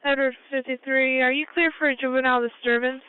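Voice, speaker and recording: High, flat-toned woman on police radio. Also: quick pace, clean tone, no room sound. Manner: terse, clipped call-sign phrasing. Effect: police radio transmission. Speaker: police dispatcher. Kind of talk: radio dispatch traffic. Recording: tinny narrow-band scanner radio.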